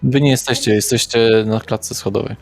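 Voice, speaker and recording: A man as game master, narrating and directing players in a brisk, matter-of-fact way. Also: medium pitch, steady tone, faint music behind.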